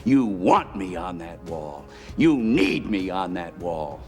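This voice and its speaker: An actor playing a commanding, scornful Marine colonel on the stand in a film courtroom drama, with a forceful, hammering delivery. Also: male voice, deep voice, sing-song, takes it slowly, soft background music, full character voice. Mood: defiant.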